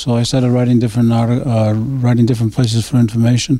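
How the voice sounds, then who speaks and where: With a New England accent, a man talks at a fairly quick pace in a medium pitch. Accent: New England American. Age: 70s. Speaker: activist. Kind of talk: interview testimony. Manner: halting.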